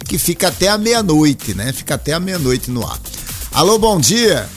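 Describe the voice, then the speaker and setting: A man's voice: a little high, sing-song, normal speed, soft background music. A male radio host, chatting loosely about football and taking listener calls, tagging his sentences with a questioning lilt. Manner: chatty, lilting, tags lines with "né?". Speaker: radio sports and call-in show host. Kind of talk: casual radio chat and sports commentary.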